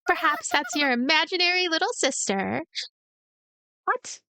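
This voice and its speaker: A woman's voice: very high voice, wildly swooping pitch, measured pace, sharp tone, dry recording, pitched above the performer's own voice, full character voice. A woman voicing a playful, teasing girl from a storybook game.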